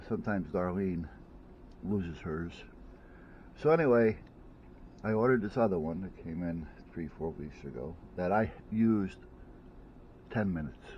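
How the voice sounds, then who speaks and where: Rambling low-voiced man, dull recording. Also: slight background noise. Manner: rambling, chatty, frequent restarts and fillers. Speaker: vlogger reviewing gadgets. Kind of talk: casual unboxing chat. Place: at home.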